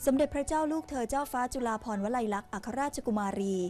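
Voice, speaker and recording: A woman news narrator reading a scripted royal news report in a formal, measured way. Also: high-pitched. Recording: voice-over with soft music underneath. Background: faint music.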